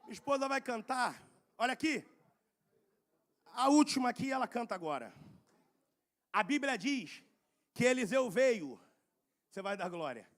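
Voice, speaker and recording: A man with a Brazilian Portuguese accent preaching a fiery sermon, moving from soft asides to loud shouting and repeating phrases to the congregation. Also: very high voice, sing-song, moderate pace, long pauses.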